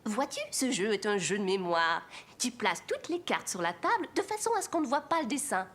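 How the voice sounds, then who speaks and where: An actress playing a friendly, doting old lady in a children's cartoon, sweet, coaxing and expressive. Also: medium pitch, a little fast, a little hiss or hum. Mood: patient. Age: older.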